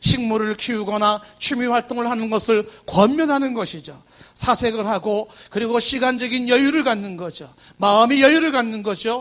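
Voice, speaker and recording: At a moderate pace, a man speaks at an extremely high pitch over noticeable background noise. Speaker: preacher. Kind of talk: sermon. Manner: stumbling.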